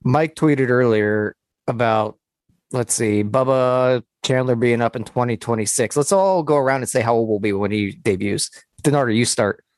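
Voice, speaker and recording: A man's voice: medium pitch, normal speed, no echo. A man in his late twenties co-hosting a sports podcast, dropping short, dry, teasing quips. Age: late 20s. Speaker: podcast co-host. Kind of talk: casual sports chat.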